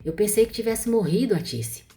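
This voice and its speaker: A woman's voice: mid-range voice, animated, fairly quick, dark tone, faint music behind, natural voice. A woman voicing a grieving father who insists his dead wife is still there. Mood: insistent. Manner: falsely cheerful, insistent. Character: grieving middle-aged father in denial.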